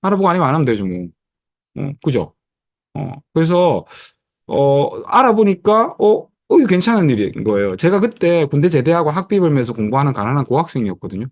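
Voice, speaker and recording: Middle-aged male presenter, animated storyteller with a dry close sound, filler-heavy pitch to an online audience. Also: a little fast, no echo. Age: 50s. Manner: lively storytelling with many fillers, acting out past dialogue. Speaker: network marketing presenter. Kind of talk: motivational presentation over a video call.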